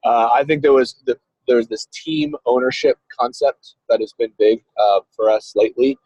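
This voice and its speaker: A man's voice: medium pitch, fairly even intonation, moderate pace, a little mellow, breathy edge, no echo. A man talking casually on a car speakerphone while driving, a ministry coach who explains with a rambling manner and many restarts. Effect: car speakerphone on a call. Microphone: phone on a video call. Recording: dull, lo-fi call audio.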